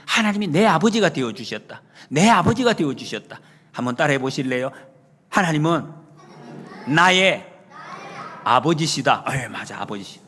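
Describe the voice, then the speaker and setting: A male pastor delivers a Sunday sermon in a church sanctuary. His voice sits a little high and swings widely as he builds to emphatic calls. A husky edge colors his voice, and long reverb from the hall trails his words. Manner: animated preaching, rising to emphatic calls; retells scenes with acted quotes.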